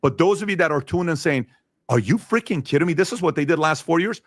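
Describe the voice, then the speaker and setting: A man's voice: fast, no echo. Confident man in his forties, dry sound. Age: 40s. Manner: emphatic, confident pitch. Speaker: business owner presenting results. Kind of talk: motivational business presentation.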